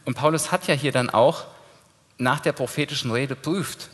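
A man's voice: mid-range voice, normal speed. Casual preaching man in an echoing hall. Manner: lively, informal preaching with casual slang. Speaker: pastor. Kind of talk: sermon. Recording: long hall reverb.

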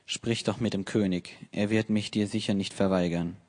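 An earnest, pleading young princess in a scripture reading, read out by a man in his own low voice. The reading stays calm and measured. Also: lightly acted. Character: young princess pleading with her brother, female.

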